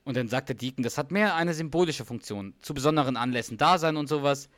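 Slightly hoarse man recapping an episode. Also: medium pitch, fast talker, a bit bright, dry recording. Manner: retells scenes in detail, with many fillers and restarts. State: slightly hoarse, lost some voice. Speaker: podcast co-host recapping a sitcom episode. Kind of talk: casual chat.

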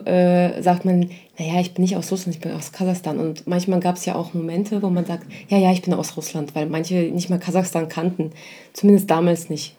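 A young woman from Kazakhstan co-hosting a podcast, explaining things earnestly in a halting way with many fillers. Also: lowish voice, mellow. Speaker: podcast co-host. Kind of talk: casual podcast chat.

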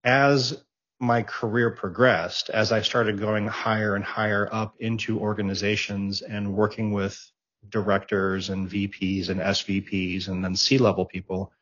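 A man's voice: fairly low pitch, little pitch movement, a little slow, a bit bright, husky, muffled recording. A middle-aged man in a casual interview, a rambling storyteller who restarts and repeats words as he goes. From raised abroad, born in Japan, raised in Germany. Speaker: interview guest, tech professional.

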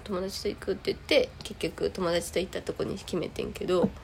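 A woman's voice: fairly low pitch, brisk, vocal fry, a little hiss or hum. A woman with a Kansai accent, chatting casually on a podcast and telling a story with lots of energy, acting out the lines of the people in it. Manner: animated storytelling, acts out quoted lines. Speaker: podcast co-host. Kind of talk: casual chat. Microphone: remote recording.

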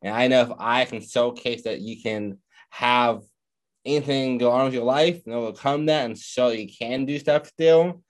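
A man's voice: mid-range voice, moderate pace. A man with a speech impediment, answering as a podcast guest in casual conversation.

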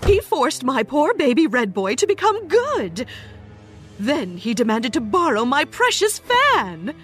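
A woman's voice: high voice, wildly swooping pitch, a little slow, a bit bright, soft background music, voice pushed up, heavily acted. A woman voicing a haughty, spiteful female immortal in a storybook reading.

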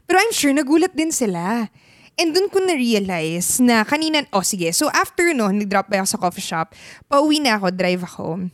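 A woman's voice: a little high, normal speed, no room sound, clean studio sound. A woman from Pampanga telling stories in a casual chat, mixing in English as she talks. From Pampanga, Philippines. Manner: animated storytelling, switches between Tagalog and English.

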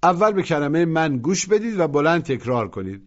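A man's voice: on the high side, very animated. A man teaching a language lesson, patiently prompting listeners to repeat after him. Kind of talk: instructional narration. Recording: muffled lo-fi audio.

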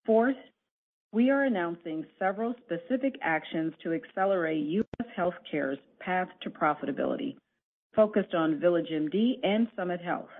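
A woman company executive giving a formal, scripted earnings presentation in a measured, deliberate way over a conference call line. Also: on the low side, expressive, husky. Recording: narrowband phone conference line.

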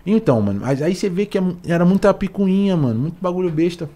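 A man's voice: high-pitched, expressive, quick pace, mellow. A young man with a São Paulo Brazilian Portuguese accent tells personal stories in a casual interview, using heavy street slang. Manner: slangy, street-style talk full of colloquial tags. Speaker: podcast guest, former police officer.

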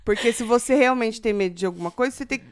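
Woman co-host, kinda high voice, teasing, swears, dry mic. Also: racing, dry recording. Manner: laughs often, swears, teasing. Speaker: podcast co-host. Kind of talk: casual chat.

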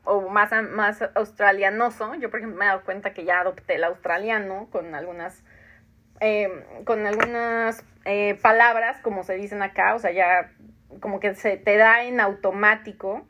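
This podcast host is a Mexican woman in her thirties whose medium-pitched voice stays fairly even, moving at a moderate pace with a bright, forceful tone. The recording is dull with a little hiss or hum. In a relaxed chat, she reads listener comments out loud, answers them, and laughs frequently.

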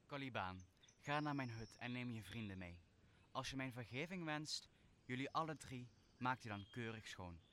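A man playing a solemn, commanding exiled magician in a Shakespearean radio play, speaking in a measured way. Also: mid-range voice, expressive, sharp tone, slight background noise. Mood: stern. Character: commanding exiled magician, stern yet forgiving master. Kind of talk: stage-like Shakespearean radio drama.

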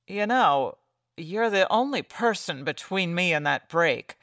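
An actress playing a cornered, calculating murderess in an old-time radio detective drama, guarded and theatrical. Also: female voice, lowish voice, animated, unhurried, a bit bright, no echo, studio quality. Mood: sly, bribing. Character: cornered 1940s noir murderess, wealthy and calculating publisher.

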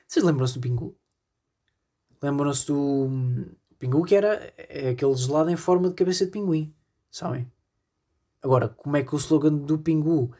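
A man's voice: a little high, mellow, breathy edge. A man with a European Portuguese accent hosting a solo comedy podcast, rambling in a self-deprecating way with constant fillers. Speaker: podcast host.

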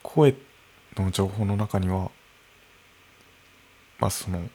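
Low gravelly man musing alone. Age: early 30s. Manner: slow, musing, with soft laughs. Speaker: podcast host. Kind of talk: unscripted solo podcast talk. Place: room at home, alone. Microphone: podcast microphone.

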